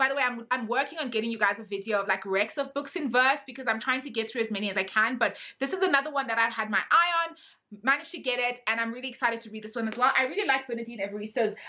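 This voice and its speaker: Amid noticeable background noise, a woman speaks at a very fast pace in a high pitch, her tone animated and her pitch variation ordinary. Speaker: book youtuber. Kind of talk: casual chat.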